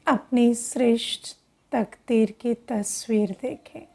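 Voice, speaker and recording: Slow, mellow woman guiding meditation. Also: on the high side, steady tone, husky. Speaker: meditation guide. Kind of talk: slow guided meditation with long pauses.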